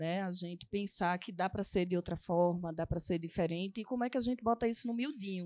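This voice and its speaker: A woman talks at a moderate pace in a medium pitch with lively intonation. The background is quiet. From Brazil, Recife (Pernambuco, Northeast). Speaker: professor and gender researcher. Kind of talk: panel discussion.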